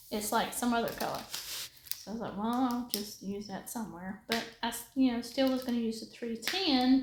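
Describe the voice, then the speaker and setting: A woman with a Southern US accent speaks fairly slowly in a fairly high voice. Her intonation is fairly even, and there is noticeable background noise. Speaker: diamond painting crafter, video creator. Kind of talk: casual chat while crafting.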